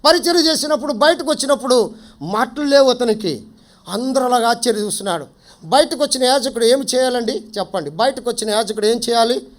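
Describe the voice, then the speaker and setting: A man delivers a sermon to a prayer-house congregation in a strikingly high voice. He keeps stopping to quiz his listeners and repeats his main phrases to drive them home. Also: brisk. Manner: asks the congregation questions and repeats key phrases. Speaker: preacher.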